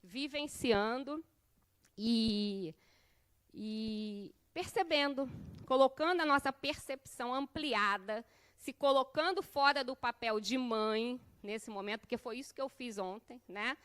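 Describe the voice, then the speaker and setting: A woman's voice: a little high, unhurried, fairly bright tone, smooth. A middle-aged woman teaching a course in a chatty, conversational way, often tagging her sentences with a questioning "né". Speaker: course instructor. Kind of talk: conversational lesson with personal anecdotes.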